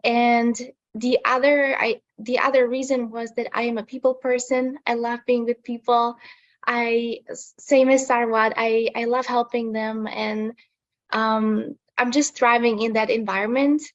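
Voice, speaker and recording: A woman, a nursing student answering panel questions earnestly in slightly halting English. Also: on the high side, flat delivery, lo-fi sound. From Slovakia.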